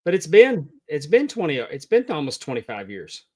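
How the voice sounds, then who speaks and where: A man's voice: fairly high pitch, huge pitch swings, normal speed, a little mellow. A man of fifty-eight chats as a co-host. His talk is informal and unscripted, in short conversational remarks. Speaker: podcast co-host answering quiz questions. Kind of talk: casual chat.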